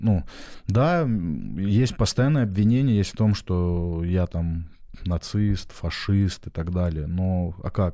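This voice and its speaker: Speaking at a very slow pace, a man has a dark, mellow tone and ordinary pitch variation. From Ukraine, Lugansk region (Pervomaisk), later Sumy region. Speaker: fight show co-host and combat sports commentator. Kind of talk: casual podcast interview. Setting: studio.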